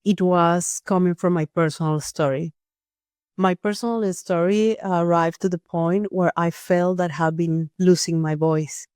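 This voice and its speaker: A woman's voice: fairly low pitch, darkish tone, no echo, clean studio sound. Earnest woman host, nonnative phrasing. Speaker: podcast host, here the guest. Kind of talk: reflective personal storytelling.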